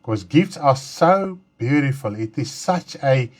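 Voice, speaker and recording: A man's voice: medium pitch, expressive. Guy preaching a bible study stream, earnest, lots of uhs and restarts. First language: Afrikaans. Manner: earnest, halting, with frequent fillers and restarts. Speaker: pastor leading Bible study.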